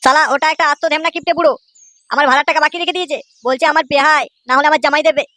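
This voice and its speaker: A woman's voice: high voice, steady tone, racing, bright, forceful tone, dry recording. A woman voicing an aggrieved, foul-mouthed male rickshaw driver in a comedy cartoon, grumbling and cheeky.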